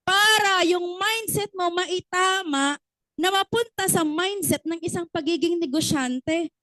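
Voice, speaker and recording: Woman, business trainer, very high voice, dry close sound, motivational talk, asks the audience questions. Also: a little slow, bright, forceful tone, dry recording, low-quality recording. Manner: asks the audience questions, acts out little stories.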